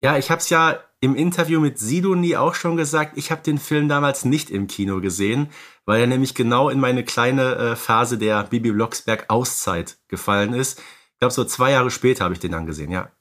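Man, thirties, medium pitch, casual conversation, podcast co-host. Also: normal speed, fairly bright tone. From Germany. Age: 30s.

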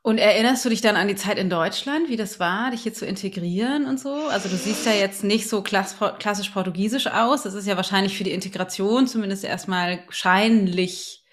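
A woman's voice: mid-range voice, fairly quick, few pauses. A woman hosting a podcast, asking curious follow-up questions in a casual interview chat. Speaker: podcast host.

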